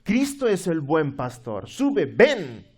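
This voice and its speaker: A man's voice: fairly high pitch, wildly swooping pitch, slow pace, slightly rough, exaggerated voice. A man voicing a boat's crew member who urgently calls a drowning man aboard and promises him safety, in a sermon illustration. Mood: urging inviting. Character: inviting male crew member calling from a boat.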